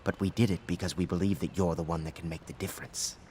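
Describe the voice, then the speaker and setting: A man's voice: low-pitched, steady tone, fast talker, a little mellow, slight background noise, close to an everyday voice. An actor playing an earnest, grave conspiring nobleman in a video game.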